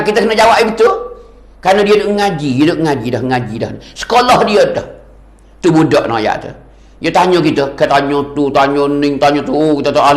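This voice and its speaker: A man giving a sermon lecture as a religious teacher, animated and repetitive, his voice rising and falling for emphasis. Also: a little high, echoey room.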